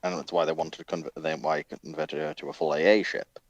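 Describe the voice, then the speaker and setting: A man's voice: very deep voice, fairly even intonation, a little fast, no room sound. A man in casual discussion on a livestream, musing and questioning as he talks. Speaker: panelist on a naval history stream.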